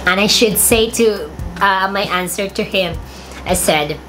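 A young Filipino woman with a deep, husky voice and a Filipino accent, chatting playfully through a comedic makeup tutorial in her bedroom, talking to a camera at desk distance. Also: measured pace, fairly bright tone, soft background music. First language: Tagalog. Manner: playful, bursts into song and laughter. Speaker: makeup vlogger. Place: bedroom, indoors.

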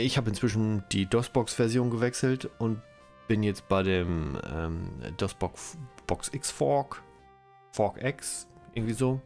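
German guy with a cold, lowish voice, rambly lets-play chatter, faint music underneath. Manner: rambling, self-correcting, chatty. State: has a cold, coughing. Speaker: let's-play host. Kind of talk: casual game commentary.

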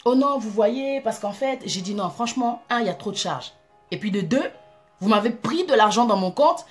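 A woman telling an animated, emphatic personal testimony in a casual way. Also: medium pitch. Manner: animated, emphatic, breaks into laughter. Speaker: Christian vlogger.

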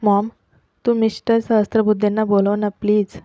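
A woman's voice: medium pitch, fairly even intonation, normal speed, mellow, no room sound, natural voice. A woman voicing a young pregnant wife who presses everyone with pleading, insistent questions about her missing husband. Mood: panicked. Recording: dull lo-fi, dry close mic.

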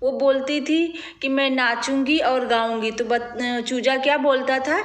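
Slow, patient woman teacher. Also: high voice, steady tone, reverberant. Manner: slow, patient, explaining with questions. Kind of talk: reading a storybook lesson to young children.

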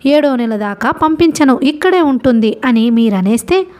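A woman's voice: high voice, expressive, normal speed, a little mellow. A woman voicing a timid, innocent young pregnant wife who pleads meekly, in a storybook reading. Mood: pleading. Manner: meek, pleading.

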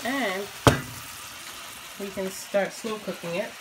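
A woman's voice: medium pitch, takes it slowly, noisy background. A woman in her thirties chatting casually while cooking at home, filming herself on a phone at arm's length, with lots of fillers and rambling asides. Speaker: family vlogger. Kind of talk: casual cooking vlog chat. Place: home kitchen, indoors. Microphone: phone camera held at arm's length.

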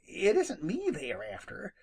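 A storybook narrator voicing a timid, indignant young male rabbit in a high, excited voice. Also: moderate pace, gravelly, slightly rough, full character voice.

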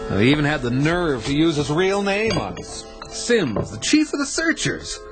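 An actor playing an anxious male fugitive from the future, nervous and quick to anger. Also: fairly high pitch, big pitch swings, over music. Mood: agitated. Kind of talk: 1980s radio drama acting.

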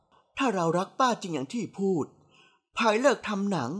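A woman's voice: medium pitch, sing-song, moderate pace, husky. A woman reading a novel aloud, voicing a strict middle-aged aunt who is a senior doctor, firm but affectionate. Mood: gently firm. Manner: firm, scolding yet affectionate.

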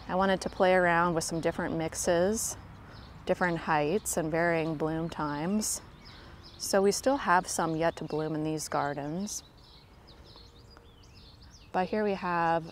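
A woman's voice: fairly low pitch, a little hiss or hum. A woman giving a casual walking tour of her home garden, chatty and self-deprecating, talking to viewers like friends, recorded outdoors on a handheld phone. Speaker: garden vlogger. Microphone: handheld phone camera, speaker off screen.

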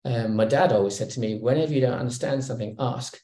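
A man's voice: medium pitch, fast talker. Middle-aged man in a roomy video call. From Hong Kong. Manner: relaxed, reflective, many fillers and restarts. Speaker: guest executive. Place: home room.

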